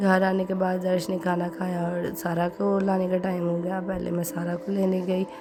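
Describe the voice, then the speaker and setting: Amid noticeable background noise and audible room echo, a woman at medium pitch speaks at a moderate pace with hardly any pauses and monotone, flat intonation. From Pakistan. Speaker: vlogger, mother. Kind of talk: vlog narration.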